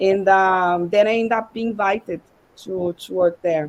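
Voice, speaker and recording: Speaking at a medium pitch, a woman talks with a Portuguese accent. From Brazil. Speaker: panelist, tech worker. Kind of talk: panel discussion. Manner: halting, many fillers and restarts.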